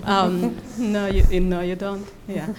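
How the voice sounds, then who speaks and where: A woman's voice: medium pitch, level tone, takes it slowly, a crowd in the background. A woman from Burundi with a Burundian accent, making earnest, explanatory spontaneous remarks as an audience member at a public forum. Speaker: audience member asking a question.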